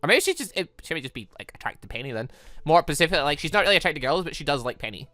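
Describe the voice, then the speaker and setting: A woman's voice: deep voice, lively intonation, very fast, a bit bright, no room sound. A woman giving casual, chatty let's-play commentary on a visual novel, rambling through giggly asides. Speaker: gaming video host.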